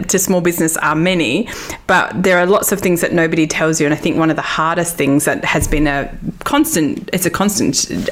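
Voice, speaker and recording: A woman hosting a podcast interview, chatty and bubbly, laughing often. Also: on the low side. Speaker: podcast host. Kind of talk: casual interview chat.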